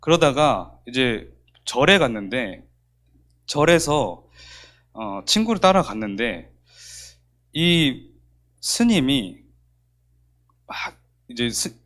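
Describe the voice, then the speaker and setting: Lively male pastor telling a story. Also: mid-range voice, slow, pauses often. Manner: animated storyteller acting out quoted dialogue. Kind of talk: sermon storytelling. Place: church.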